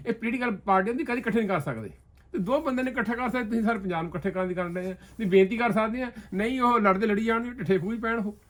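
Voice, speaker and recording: Fast-talking, emphatic man. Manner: talks fast, emphatic, often animated, drops low for asides. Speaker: interview guest. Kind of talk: political discussion.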